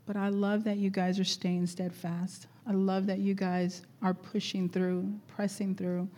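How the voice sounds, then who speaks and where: A middle-aged woman leading a church gathering, chatty and laughing often, her voice going hoarse. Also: mid-range voice, level tone, unhurried, dark tone, slight background noise. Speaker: church leader. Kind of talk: warm casual church greeting and exhortation.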